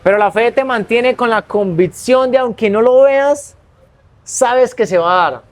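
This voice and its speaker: A man's voice: very high-pitched, unhurried. A young Colombian man telling his own story in a casual interview, earnest, often restarting his phrases. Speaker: guest, pizza business owner.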